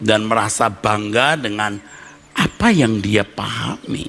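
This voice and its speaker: Lively intonation from a man at a fairly slow pace, with music in the background. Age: 60s. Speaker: pastor. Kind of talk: sermon. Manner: animated.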